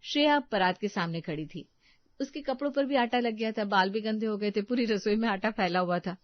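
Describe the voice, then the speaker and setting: A woman narrating a cartoon story in a steady storytelling manner. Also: mid-range voice, fairly quick, no echo, dull audio.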